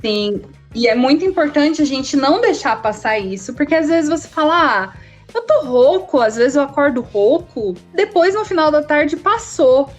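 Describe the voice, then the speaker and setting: High-voiced Brazilian young woman explaining. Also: moderate pace, soft background music. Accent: Brazilian Portuguese. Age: young adult. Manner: didactic, lively explanatory tone. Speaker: guest speech therapy student. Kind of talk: podcast interview, explaining.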